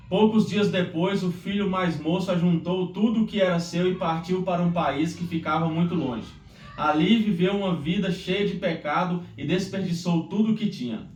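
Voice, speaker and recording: A man's voice: high voice, darkish tone. A Brazilian man speaking earnestly and devoutly, hosting a devotional of prayer and scripture reading aloud. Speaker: Bible reading host. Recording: roomy echo, distant mic, faint noise.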